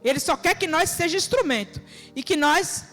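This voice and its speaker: São woman preaching, high voice, earnest and pleading, echoey church with quiet music. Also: lively intonation, moderate pace. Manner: earnest, exhorting, colloquial, with rhetorical questions. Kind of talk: sermon. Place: church hall. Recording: reverberant church hall with music.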